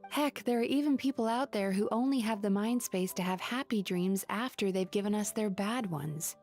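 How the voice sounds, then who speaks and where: A woman acting a gentle yokai therapist in a video game, reflective and a little wistful. Her pitch is middling for a woman and her delivery is measured, with soft music playing underneath. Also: close to an everyday voice. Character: gentle, wistful female dream-eating yokai psychologist. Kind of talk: video game character dialogue.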